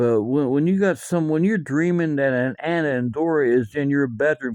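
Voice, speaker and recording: A man's fairly high-pitched voice with lively intonation over a quiet background. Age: 60s. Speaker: vlogger. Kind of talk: casual monologue vlog. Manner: halting.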